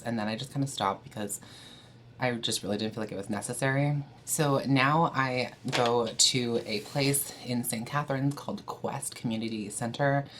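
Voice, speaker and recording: A woman's voice: very deep voice, slight background noise. A young trans woman from Canada chatting casually to camera, with frequent fillers and an easy, candid manner. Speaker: vlogger.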